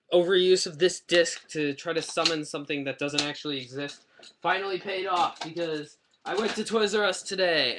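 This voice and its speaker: A man with a bright, edgy voice gives a loose, rambling toy review into a webcam mic, poking fun at himself as he goes. He talks casually from home, with a faint hiss in the background. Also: a little high. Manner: rambling, chatty, self-deprecating.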